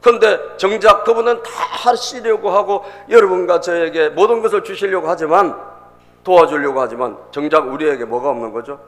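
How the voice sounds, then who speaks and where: A man's voice: high-pitched, steady tone, normal speed. Emphatic male pastor preaching in a reverberant hall. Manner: emphatic preaching with repeated phrases and calls to the congregation. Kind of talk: sermon. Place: church sanctuary. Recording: long reverb in a church hall.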